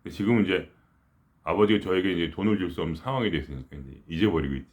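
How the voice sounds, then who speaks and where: Low-voiced and rapid-fire, a middle-aged man delivers a casual spiritual talk as a teacher. It's rambling and conversational, full of restarts and softly murmured asides.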